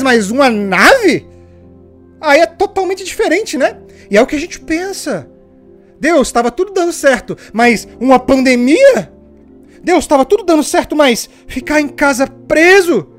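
A woman preaching a sermon, telling stories with energy and asking her listeners pointed rhetorical questions. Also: on the high side. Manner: lively storytelling, asks rhetorical questions.

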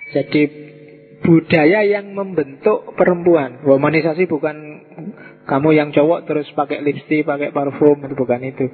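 A man's voice: fairly high pitch, breathy edge. A man giving an informal classroom lecture, chatty and full of rhetorical questions. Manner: conversational, asks rhetorical questions. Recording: tinny, echoey hall.

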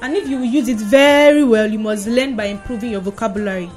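A woman with a Nigerian accent presenting a children's radio show. She reads the scripted segments in a bright, emphatic announcer style. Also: on the high side, brisk, soft background music. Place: radio studio.

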